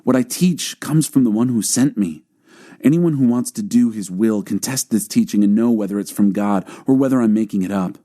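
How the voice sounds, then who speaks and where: A man plays a bold religious teacher in a scripture audiobook. The voice is dark and mellow, with emphatic, challenging and insistent declarations. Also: medium pitch, close to an everyday voice. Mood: challenging, exasperated. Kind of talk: audiobook dramatized scripture reading.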